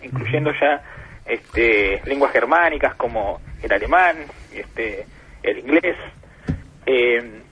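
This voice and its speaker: A man's voice: medium pitch, slow pace, fairly bright tone, husky. A man with an Argentine accent, speaking as a guest expert on a radio interview, patient and professorial, building his points with examples. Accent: Argentine Spanish. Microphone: telephone. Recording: muffled phone line on radio.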